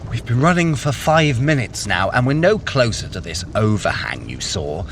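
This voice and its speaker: Sardonic, wildly expressive trickster god. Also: male voice, medium pitch, moderate pace, slight background noise. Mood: dry complaint. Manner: sardonic, theatrical. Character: Loki, sarcastic trickster god of Asgard. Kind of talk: audio drama acting for a running app.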